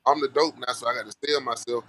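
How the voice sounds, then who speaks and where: A man's voice: mid-range voice, fairly even intonation, fast talker, sharp tone. A man from Alabama with a Southern Black American accent, chatting casually and earnestly in a folksy way as an interview guest. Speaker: music artist guest.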